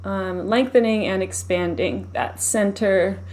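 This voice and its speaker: A woman leading a live guided meditation in a soothing, unhurried, gently instructive manner. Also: mid-range voice.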